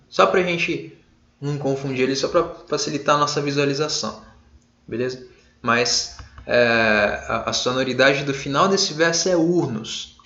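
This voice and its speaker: Brazilian male teacher, laid-back lecture, echoey room, muffled lo-fi mic. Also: medium pitch. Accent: Brazilian Portuguese. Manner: casual, many fillers, checks in with "beleza?"; jokey shouted examples. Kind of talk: online class lecture. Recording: roomy, dull lo-fi sound.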